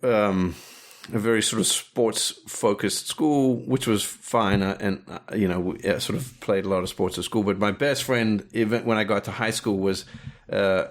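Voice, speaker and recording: A man's voice: lowish voice, fairly even intonation, normal speed. A middle-aged man from South Africa, a director talking casually in an interview, rambling with many restarts and fillers. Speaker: guest, director and animator.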